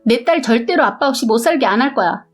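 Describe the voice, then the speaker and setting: A woman playing a young mistress, shrill, indignant, storybook reading, bright high voice. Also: lively intonation, fast talker, soft background music. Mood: shouting.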